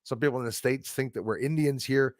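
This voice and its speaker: A man in his forties with a Canadian accent, hosting a casual livestream in a rambling, halting way as he responds to viewers. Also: mid-range voice, no echo, clean studio sound. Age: 40s. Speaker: livestream host. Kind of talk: casual live chat, reacting to viewer comments.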